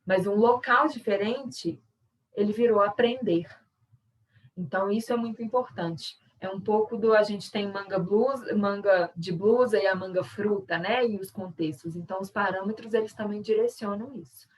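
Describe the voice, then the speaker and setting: A woman's voice: medium pitch, moderate pace, recorded from a distance, low-quality recording. Brazilian woman teaching over a call. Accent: Brazilian Portuguese. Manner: explanatory, conversational, many tag questions. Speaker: sign language interpreter and workshop teacher. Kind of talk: online workshop lesson.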